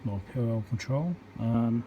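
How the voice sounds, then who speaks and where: Guy doing a repair demo at his bench, informal and halting, talks through each step, clear hum behind him. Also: medium pitch, phone-quality sound. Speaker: electronics repair host. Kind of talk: hands-on repair demonstration, thinking aloud. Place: indoor repair workbench. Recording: steady background hum and room noise.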